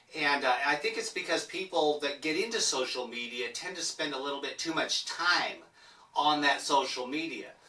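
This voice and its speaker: With noticeable background noise behind him, a man talks at a moderate pace in a fairly high pitch with ordinary pitch variation. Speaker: gardening vlogger. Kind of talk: casual vlog monologue. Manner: loud, yelling. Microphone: no microphone, old one broke.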